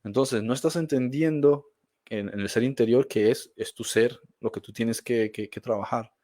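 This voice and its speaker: A man's voice: medium pitch, moderate pace, warm tone, dry recording, studio quality. A man speaking as a guest in a reflective conversation, emphatic and blunt, often restarting his sentences.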